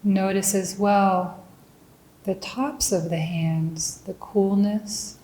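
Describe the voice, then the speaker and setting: A woman guides a meditation in a mellow, relaxed voice. She speaks very slowly and gently, placing short, deliberate phrases between long pauses. The sound is roomy, with audible echo around her words. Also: medium pitch. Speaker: meditation teacher.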